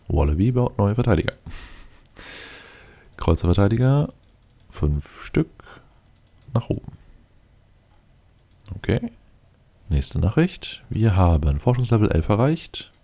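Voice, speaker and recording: A man with a very low, gravelly voice plays through a game as a let's player, his tone dark and mellow. He mutters casually to himself, thinks aloud and speaks directly to his units, sounding very animated at a measured pace with frequent pauses.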